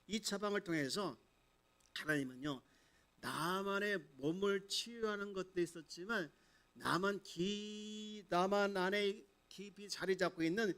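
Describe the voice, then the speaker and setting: A man's voice: sits high, fairly bright tone. A male pastor preaching a sermon, asking the congregation questions and dramatizing the story.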